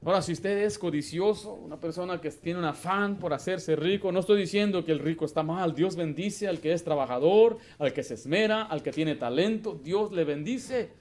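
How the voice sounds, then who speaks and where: A middle-aged man preaching as pastor of a church, putting questions to the congregation and building to loud emphasis. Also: sits high, normal speed, few pauses. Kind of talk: sermon.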